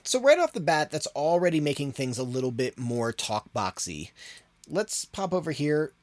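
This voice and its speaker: A man's voice: fairly high pitch, sing-song, normal speed. A man hosting an audio production tutorial in an informal, conversational way. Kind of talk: casual spoken tutorial.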